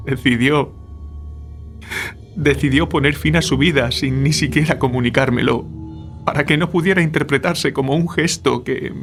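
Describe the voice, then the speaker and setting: An actor playing a guilt-ridden male writer, confessing haltingly in an audio horror drama over music. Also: mid-range voice, creaky, fairly bright tone. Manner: hesitant, halting confession with repeated words. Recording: music bed behind the voice.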